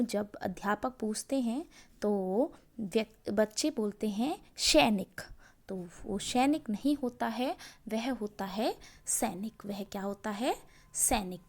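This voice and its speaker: A woman teacher giving a grammar lesson, asking each point back as a question and then answering it, stressing key words. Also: fairly high pitch. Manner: slow and deliberate, stressing words. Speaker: school teacher.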